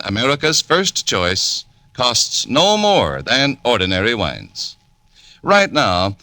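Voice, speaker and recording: A man reading an old-time radio ad in a polished, emphatic salesman's voice. It is bright and very lively in pitch, recorded close and dry. His pitch swings widely as he leans on key words. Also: dry recording. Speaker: announcer. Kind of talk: 1940s radio advertisement.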